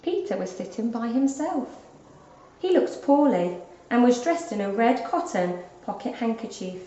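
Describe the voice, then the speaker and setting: A woman narrating a children's story aloud in an expressive, deliberate storytelling manner, like a teacher. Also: fairly high pitch. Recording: dull, roomy lo-fi recording.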